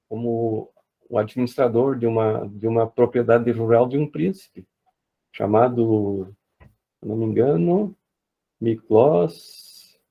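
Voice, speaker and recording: A man leading a spiritist study group, lecturing in an unhurried, hesitant way with frequent fillers and restarts. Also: medium pitch, gravelly. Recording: dull lo-fi recording.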